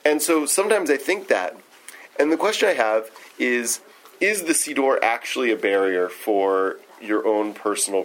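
A man's voice: medium pitch, low-quality recording. A man leading a text study, giving an informal, thoughtful lecture and often checking in with his listeners.

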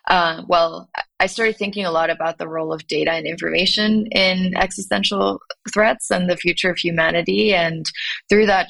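A woman's voice: on the low side, vocal fry, a bit bright, rough recording. A young woman from Finland, a startup founder, talking through her ideas thoughtfully with many fillers and restarts in an interview. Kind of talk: conversational interview.

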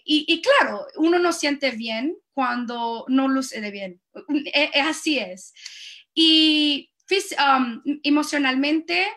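A middle-aged woman as an interview guest, telling a personal story haltingly with many fillers and restarts. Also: high voice, a bit bright. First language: Spanish, Portuguese spoken at home.

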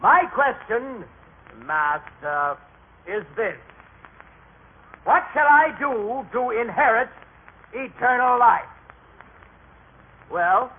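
Sly bitter lawyer, high rough voice, slow mocking delivery, old radio drama. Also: male voice, lively intonation, exaggerated voice. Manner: mocking, theatrical, drawn-out delivery. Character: bitter, clever heckling male lawyer, sneering. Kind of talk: vintage radio drama acting. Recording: tinny band-limited old radio recording.

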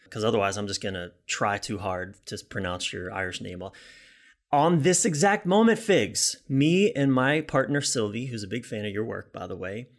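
A man hosting a podcast, introducing the episode and chatting with his guest in an enthusiastic, chatty way. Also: medium pitch. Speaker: podcast host.

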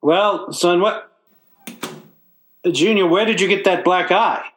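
A man's voice: high voice, slow, a bit bright, reverberant, a little hiss or hum. An actor playing a blustering, self-pitying working-class father in old-time radio comedy style, with stammering, folksy, ungrammatical speech. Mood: alarmed.

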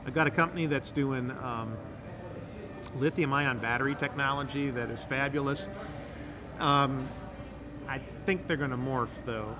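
A man's voice: medium pitch, steady tone, unhurried, pauses often. Midwestern man explaining his work. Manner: rambling, restarts, enthusiastic explaining. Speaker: guest, incubator director. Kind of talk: casual podcast interview.

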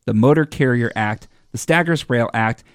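A man's voice: mid-range voice, moderate pace, no room sound, clean studio sound. An American man giving conversational top ten countdown commentary, informally explaining pros and cons as he goes through a ranking.

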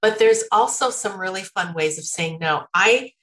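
A woman giving parenting advice in a relaxed conversation, laughing often and slipping into a sing-song tone when acting out what parents can say. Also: mid-range voice, moderate pace, poor audio. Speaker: parenting expert guest.

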